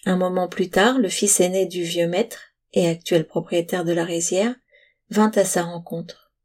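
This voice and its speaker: A woman reading a storybook aloud with calm, even narration. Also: fairly low pitch, measured pace.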